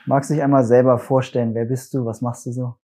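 Calm man hosting a podcast. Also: medium pitch, fast talker. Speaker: podcast host and osteopath. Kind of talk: read podcast intro and interviewing.

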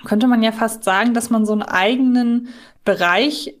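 A woman's voice: on the high side, normal speed. A woman hosting a podcast, talking casually and reflectively as she thinks aloud through the discussion. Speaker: podcast host.

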